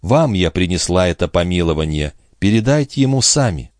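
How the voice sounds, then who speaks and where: A man reading a storybook aloud, voicing a sorrowful, selfless young gypsy woman in a soft, earnest tone. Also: deep voice, animated, fairly quick, no echo, studio quality. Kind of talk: audiobook reading.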